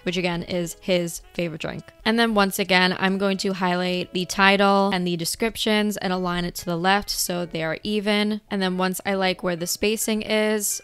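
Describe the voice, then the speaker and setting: Young woman, slightly hoarse, lower voice, methodical tutorial voice-over, faint music behind. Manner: calm, instructive, methodical. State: slightly hoarse, losing her voice. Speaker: crafting tutorial host. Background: faint background music.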